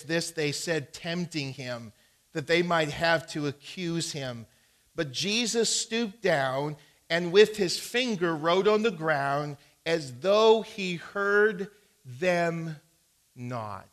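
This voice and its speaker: A man's voice: on the high side, fairly bright tone. A man preaching a sermon as a pastor, telling a personal story in a folksy way and reading out Bible verses. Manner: storytelling, folksy, deliberate with repeated verse references.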